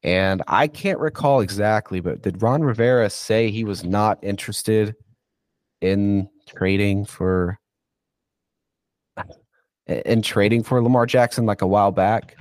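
A man speaks as a football insider on a podcast, in a lowish voice that sounds stuffy and congested, as if he has a cold. He rambles into long, loose rants and throws in a casual "dude" along the way. The sound is dry and close, with no room around it. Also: a little slow, darkish tone, no echo.

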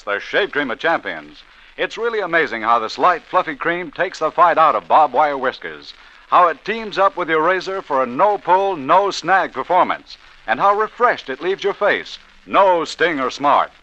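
A man reads a radio ad in a breezy, punchy way, his pitch bouncing up and down. His voice is bright and forceful. The sound is dull and lo-fi, like an old broadcast. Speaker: radio announcer reading an ad. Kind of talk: radio commercial.

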